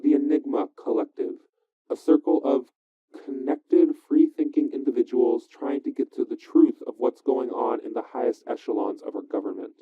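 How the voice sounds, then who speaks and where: A self-serious, secretive conspiracy hacker for an audio drama. His voice is rough and husky, squeezed through a narrow, tinny retro filter. He sounds guarded and prickly, with a very dry, close sound. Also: medium pitch, normal speed, no echo. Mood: earnest. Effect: cheesy retro computer voice filter. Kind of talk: audio drama phone dialogue. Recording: tinny, band-limited phone-like filter.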